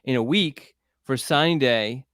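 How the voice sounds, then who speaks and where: A man's voice: medium pitch, unhurried, fairly bright tone, no echo, studio quality. A middle-aged man co-hosting a casual sports chat, easygoing and a bit rambling. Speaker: recruiting reporter, co-host.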